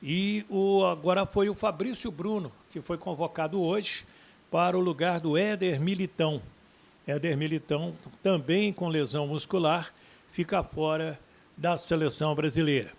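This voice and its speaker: A man presents football news for an online audience. His voice sits on the high side and has a strong gravelly creak. He speaks to viewers directly, in a folksy, familiar way. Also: moderate pace. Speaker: sports YouTube host.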